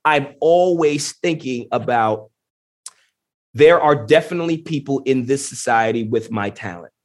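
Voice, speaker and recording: Emphatic, animated man in conversation. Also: mid-range voice, measured pace. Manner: emphatic and animated, many fillers like "you know" and "right". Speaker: guest. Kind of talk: conversational interview answers.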